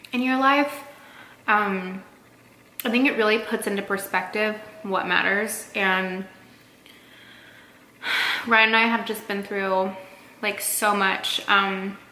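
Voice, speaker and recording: A woman's voice: mid-range voice, pushed and bright. A woman in her thirties talking casually to camera as a vlogger, chatty with lots of fillers, eating while she talks. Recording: echoey room with faint noise.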